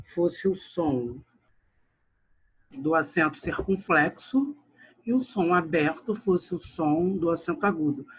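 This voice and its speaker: A man's voice: a little high, husky, rough recording. A male grammar teacher, giving an online lesson and often calling out to his class while he stretches words for emphasis. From Brazil.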